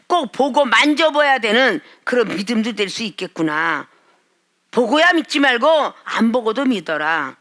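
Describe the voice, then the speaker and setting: A woman's voice: on the high side, pushed and bright. A middle-aged woman pastor preaching a sermon with emphatic delivery, acting out complaining churchgoers in a whiny voice.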